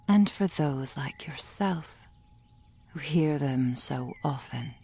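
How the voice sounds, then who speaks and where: A woman playing a gentle, reassuring soul healer in an ASMR roleplay, speaking in a soft, formal whisper. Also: very deep voice, husky, heavily acted.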